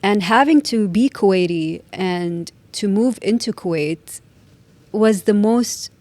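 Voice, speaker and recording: A woman in her thirties from the United Arab Emirates, a podcast guest talking in an earnest, thoughtful way, building her points in measured, repeated phrases. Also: mid-range voice, darkish tone, no room sound. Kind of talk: reflective podcast conversation.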